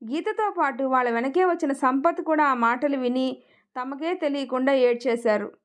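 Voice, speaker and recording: High-voiced woman telling an emotional story. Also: normal speed. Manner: expressive, feeling reading. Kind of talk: emotional family story narration.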